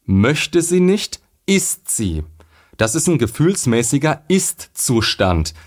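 A man's voice: on the high side, sing-song, takes it slowly. A man reading out a viewer's letter and answering it with blunt, lecturing dating advice.

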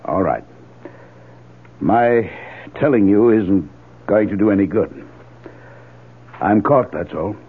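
Husky, cornered older tycoon. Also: male voice, on the low side, heavily acted. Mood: resigned. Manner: evasive, halting, testy. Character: proud, frightened older father, evasive business tycoon. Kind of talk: 1970s radio drama acting. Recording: rough, muffled old radio broadcast.

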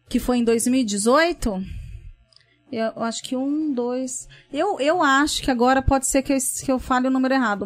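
A young woman with a Brazilian Portuguese accent, a school principal speaking earnestly and outspokenly as an interview guest, often restarting her sentences. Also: high-pitched. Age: young adult.

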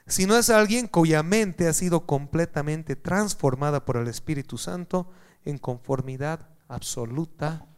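Male preacher, high clear voice, animated sermon delivery with jokes and loud-to-soft swings.

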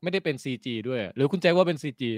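A man chatting casually about a film, excited, trailing off as he searches for words. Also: a little high, racing. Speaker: film discussion panelist. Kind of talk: casual movie chat.

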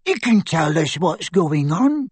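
Storybook role: proud elderly witch, performed by a man, raised high pitch, brisk authority, imperious and crisp. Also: sing-song, no echo, full character voice. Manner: crisp, commanding.

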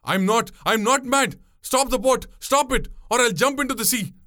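A man voicing a terrified, paranoid young man in a story, yelling in frantic, accusing panic. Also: very high voice, normal speed, voice pushed up.

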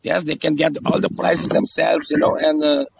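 The recording is muffled as an interviewed tour guide with an Aruban accent talks casually, repeating phrases and tossing in "yes?" check-ins while he explains. His voice is fairly high, creaky and husky, with little pitch movement, at normal speed.

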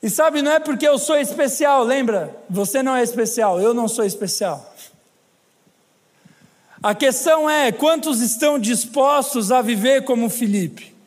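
High-voiced Brazilian pastor in a hall. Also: male voice. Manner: humorous storytelling, chatty asides to the congregation. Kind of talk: sermon. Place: church hall. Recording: long hall reverb.

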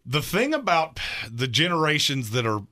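Thirties male sports radio host, argumentative, bright and animated. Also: fairly high pitch, moderate pace. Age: 30s. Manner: emphatic, argumentative.

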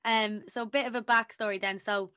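A woman's voice: a little high, steady tone, a little fast, sharp tone, clean tone. A woman of about thirty, hosting a podcast in a casual, rambling, enthusiastic way. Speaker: podcast host.

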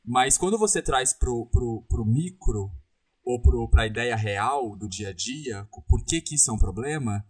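Man, husky, mid-pitched, reflective, many restarts. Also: animated, unhurried, darkish tone. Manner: thoughtful, restarts often, agrees and builds on points. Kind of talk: conversational discussion.

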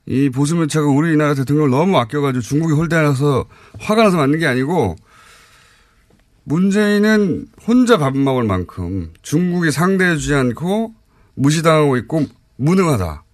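A man's voice: a little high, animated, normal speed, dry recording, clean studio sound. A man hosting a live radio current-affairs show, talking in an informal, opinionated way with rhetorical questions.

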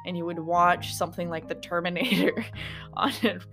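A woman's voice: fairly low pitch, moderate pace, a bit bright, faint music behind. A woman in her thirties from Kosovo with an American-influenced English accent, hosting a podcast in a rambling, chatty monologue full of asides to listeners. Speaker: podcast host. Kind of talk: casual reflective monologue.

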